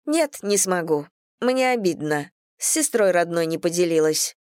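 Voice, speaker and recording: A woman's voice: fairly low pitch, very animated, moderate pace, a little mellow, dry recording, studio quality. A woman voicing a nosy sister who teases and pries in an audiobook. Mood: teasing. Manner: curious teasing. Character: nosy, teasing older sister.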